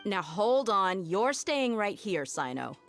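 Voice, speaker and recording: A woman's voice: mid-range voice, big pitch swings, takes it slowly, fairly bright tone, soft background music, full character voice. A woman playing a shrewd, confident female mercenary in a video game, with a folksy, self-assured, explanatory delivery. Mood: firm, assured.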